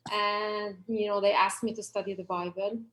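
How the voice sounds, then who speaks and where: A woman's voice: medium pitch, level tone, moderate pace, a bit bright, rough recording. Woman guest, mid voice, earnest, lots of you knows. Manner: earnest, hesitant with fillers like you know. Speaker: church leader, radio and TV host, guest. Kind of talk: interview storytelling.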